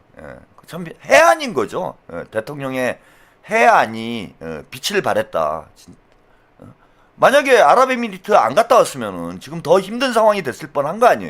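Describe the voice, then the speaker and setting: In a very clean recording with a silent background, a man talks at a moderate pace with big swings in loudness. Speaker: political commentary streamer. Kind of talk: live stream commentary. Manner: casual, conversational with many fillers.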